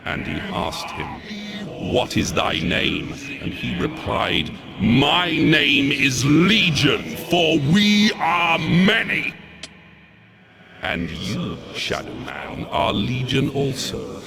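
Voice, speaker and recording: A man playing a mocking, pompous ancient demon in a video game, theatrical and taunting, with a gravelly voice. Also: fairly high pitch, big pitch swings, takes it slowly, full character voice. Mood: menacing. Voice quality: gravelly, creaky. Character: gloating, mocking ancient demon mastermind, male. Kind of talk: video game villain acting. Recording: loud music over the voice.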